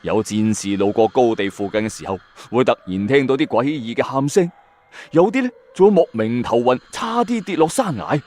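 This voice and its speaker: An expressive, somewhat dark mid-range male voice at a moderate pace belongs to the host of a ghost story audio channel. With his Hong Kong Cantonese accent, he narrates a suspenseful late-night ghost story dramatically and informally, punctuated by exclamatory asides, as music plays in the background.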